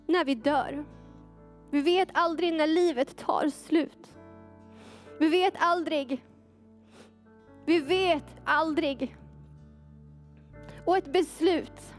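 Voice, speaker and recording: A woman's voice: high-pitched, pauses often, soft background music. A woman preaching at a youth service, shifting into fervent, repetitive prayer. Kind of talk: sermon with prayer.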